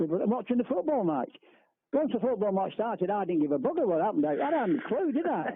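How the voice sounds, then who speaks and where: With a Lancashire accent, a man talks at a very fast pace, his pitch swinging very widely. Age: 80s+. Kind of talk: phone call reminiscence.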